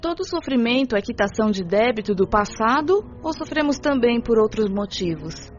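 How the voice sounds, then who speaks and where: Woman playing a high-voiced, earnest young woman. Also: lively intonation, normal speed, close to an everyday voice. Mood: inquiring. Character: young woman earnestly asking a spiritual question. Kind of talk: audiobook radio drama, scripted. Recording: dull lo-fi audio with music behind. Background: music.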